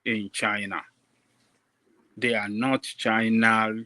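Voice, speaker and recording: A man with a low but bright voice, pausing often on fillers as he builds his argument. He talks in a steady, deliberate way within a group debate. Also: dry recording. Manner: halting, with many fillers. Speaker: panelist.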